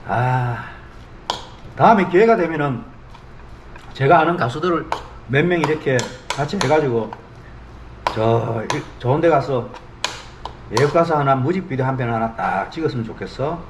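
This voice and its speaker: A man's voice: medium pitch, animated, normal speed, pauses often, noisy background. A middle-aged man from South Korea hosting a casual eating show, talking expressively as he savors his food, at times with his mouth full. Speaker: mukbang host.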